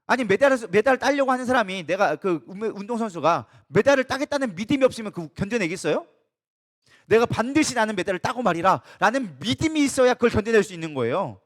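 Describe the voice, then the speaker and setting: A man's voice: high-pitched, sing-song, fast, few pauses. A male co-lead pastor preaching a midweek sermon, emphatic and full of rhetorical questions that he answers himself. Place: church.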